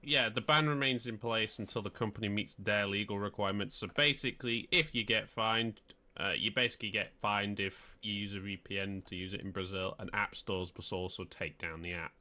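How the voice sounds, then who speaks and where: A man's voice: lowish voice, fairly quick. A man co-hosting a podcast, reading news headlines and chatting about them loosely. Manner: relaxed, reads headlines then chats loosely. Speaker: podcast co-host. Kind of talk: casual chat, reading news items.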